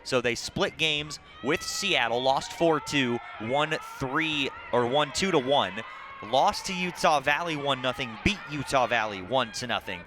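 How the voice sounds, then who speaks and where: Covering soccer live on TV, a man gives play-by-play commentary that switches between brief, clipped descriptions of the action and stat recaps. He speaks at a measured pace in a mid-range voice, over the obvious crowd and outdoor ambience of a noisy broadcast.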